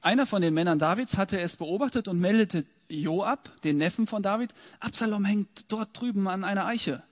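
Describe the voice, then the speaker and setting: A man's voice: high-pitched, normal speed, few pauses. A man teaching from the Bible, reading verses aloud and then retelling them in casual words with questions to his listeners. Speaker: preacher.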